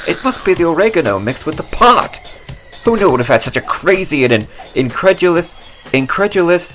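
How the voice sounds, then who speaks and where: A man's voice: fairly high pitch, a bit bright, rough recording. Man playing giddy dim slacker, wildly swooping voice. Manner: giddy, halting, stammering. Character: excitable, dim, childlike slacker man in zombie costume. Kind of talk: comic horror audio drama acting.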